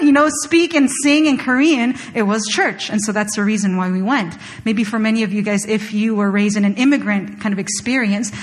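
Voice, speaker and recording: A young woman from Chile gives a sermon in an easy, conversational way, full of "you know" and "like" and acted-out moments from her own story. Her voice sits a little high. It carries a long reverb, as in a church hall. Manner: conversational, animated storytelling with fillers. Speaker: pastor.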